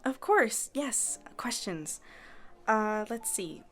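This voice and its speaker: A woman's voice: a little high, very animated, slow pace, soft background music. Woman acting an awkward, flustered young editor. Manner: hesitant, flustered, stammering. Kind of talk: fiction podcast acting.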